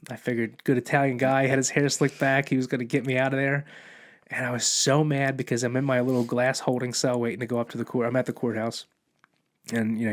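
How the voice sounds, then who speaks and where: A police officer appearing as a podcast guest tells a long personal story in casual conversation, using a mid-range voice. He rambles, restarts often and acts out quoted dialogue.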